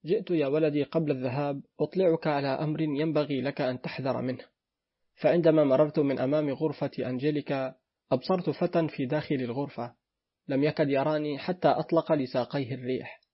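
A man voicing a scheming wife who confides a warning to her husband, in a husky voice. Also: on the high side, steady tone, fast. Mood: confiding. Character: scheming stepmother wife, sweet-talking. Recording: dull lo-fi recording.

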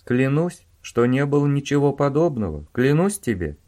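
A man's voice: mid-range voice, big pitch swings, moderate pace, dark tone, pitched above the performer's own voice, lightly acted. A man voicing a frightened accomplice who pleads and swears he did nothing wrong. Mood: pleading. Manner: pleading, whining. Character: whiny, frightened male accomplice.

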